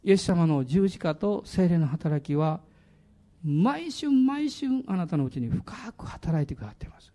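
A middle-aged man, a pastor, preaching a sermon in an animated way, with laughing asides to the congregation. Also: fairly high pitch, normal speed.

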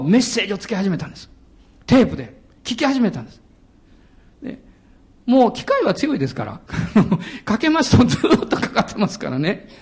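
A middle-aged male pastor delivering a sermon in a strikingly high voice. His pitch leaps around in lively swings, and he laughs readily and bursts into shouted hallelujahs.

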